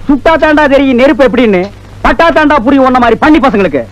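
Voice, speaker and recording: A man's voice: very high-pitched, animated, quick pace, rough recording. An actor playing a sarcastic male jail warden who fires off mocking comebacks in a film comedy.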